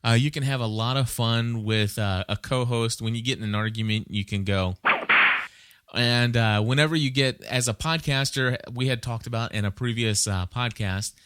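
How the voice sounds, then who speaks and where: A man's voice: medium pitch, normal speed, fairly bright tone, slight background noise. A man hosting a podcast, rambling casually and conversationally as he thinks aloud and gives advice. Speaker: podcast host.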